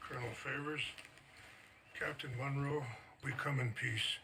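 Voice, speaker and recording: An actor playing a dignified, conciliatory Native American chief in a video game, measured, courteous and a little hesitant. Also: male voice, mid-range voice, fairly even intonation, noisy background, natural voice. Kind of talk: dramatic video game acting.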